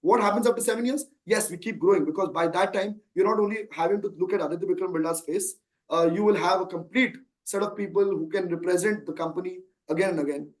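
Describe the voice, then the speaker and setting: An Indian-accented company CEO in his thirties answers questions on an earnings call in a high-pitched, fast voice over poor audio. His replies are long and emphatic, with rhetorical questions mixed in.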